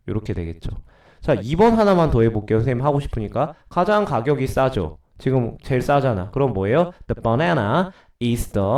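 A man's voice: mid-range voice, warm tone, recorded from a distance. A middle-aged man with a cold and a stuffy nose, teaching English grammar to middle schoolers in a recorded lecture, chatty and answering his own questions.

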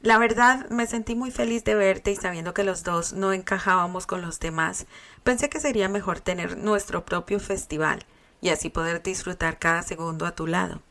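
A woman's voice: on the low side, normal speed, a bit bright. Terry: tender teasing young man, read by a woman, storybook reading.

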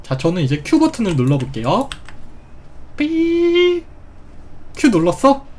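A woman's voice: lowish voice, very animated, brisk, a little mellow. A woman hosting a casual gameplay video, chatting playfully and making lots of sound effects.

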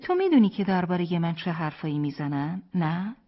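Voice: mid-range voice, very animated, muffled recording, lightly acted. A narrator voicing an anxious young village bride. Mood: pleading. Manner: pleading, increasingly insistent. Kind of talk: audiobook character reading.

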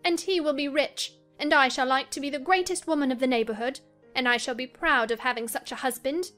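A headstrong young lady from a classic novel. Her voice is high and emphatic, with a petulant, impetuous edge. Faint music plays behind her. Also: fairly quick, a bit bright. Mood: defiant. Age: young adult. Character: impetuous, peevish young lady confiding a secret. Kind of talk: dramatised classic novel reading.

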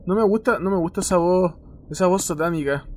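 Jumpy, high-pitched young Chilean gamer. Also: male voice, a little fast, a little hiss or hum. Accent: Chilean Spanish. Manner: swearing often and yelping in fright. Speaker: gaming youtuber. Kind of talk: horror game let's play commentary.

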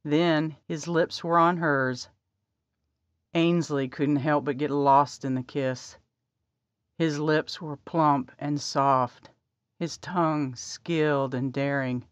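A woman narrating a romance audiobook in a measured, even storytelling manner. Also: low voice, dry recording, highs cut off. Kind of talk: scripted narration.

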